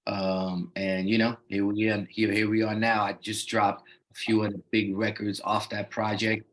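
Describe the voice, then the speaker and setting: A man's voice: lowish voice, flat delivery, normal speed, a bit bright. A young man raised in the Netherlands, a rapper talking as an interview guest in a laid-back, loose way with lots of "you know what I mean" fillers. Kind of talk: casual interview talk.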